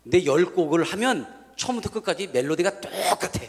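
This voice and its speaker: A male pastor telling a story in a sermon. He talks in an animated way and acts out the dialogue in different voices. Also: sits high, a little fast, long reverb tail.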